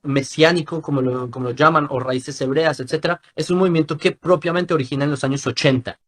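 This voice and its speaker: A man with a slightly raised pitch explains at an even pace. He lectures steadily but trips on repeated little fillers. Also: fairly quick. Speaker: religious commentator. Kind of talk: explanatory talk.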